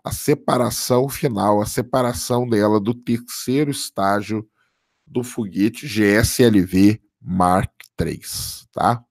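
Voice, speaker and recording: A man, hoarse from a cold, casually commenting on a live stream and answering viewer chat, often checking in with "tá?". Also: lowish voice, takes it slowly, dry recording, studio quality. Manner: casual, keeps adding "tá?" for confirmation. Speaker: livestream host.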